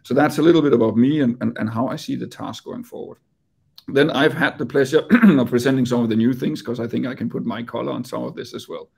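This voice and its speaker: Danish businessman presenting to investors on a video call; raspy, gravelly voice, halting delivery. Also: medium pitch, darkish tone. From Denmark. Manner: hesitant, repeats words while speaking. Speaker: company executive.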